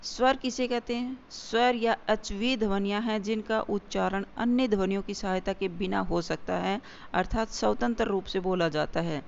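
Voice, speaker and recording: A grammar teacher explaining definitions step by step, repeating key points and slowing down for examples. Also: medium pitch, fairly even intonation, vocal fry. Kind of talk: exam-prep grammar lesson. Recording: dull lo-fi recording with faint hiss.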